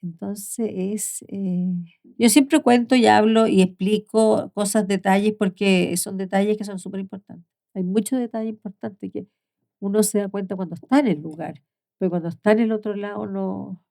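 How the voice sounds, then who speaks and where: An older woman speaks as an interview guest. She tells heartfelt family stories with a slightly gravelly edge. Her voice often sinks to a soft hush before rising again. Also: mid-range voice, fairly even intonation, moderate pace. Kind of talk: conversational interview.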